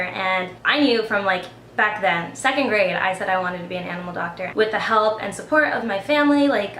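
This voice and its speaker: A woman's voice: mid-range voice, a bit bright. A woman in her twenties chatting casually to camera in a get-to-know-me vlog, with frequent "like" fillers. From Australia. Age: 20s. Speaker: vlogger. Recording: echoey room with faint ambient noise.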